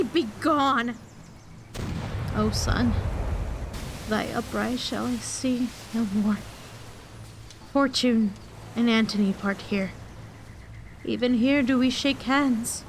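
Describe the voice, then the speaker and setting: High-voiced, betrayed Antony played by a woman. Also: fairly bright tone. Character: proud betrayed Roman general Antony, passionate and bitter. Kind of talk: Shakespearean audio drama acting.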